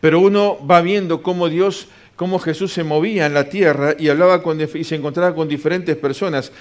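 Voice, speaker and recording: A man's voice: on the high side, fairly even intonation, fairly quick. Man preaching a sermon. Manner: reads scripture aloud, asks and answers his own questions. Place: church.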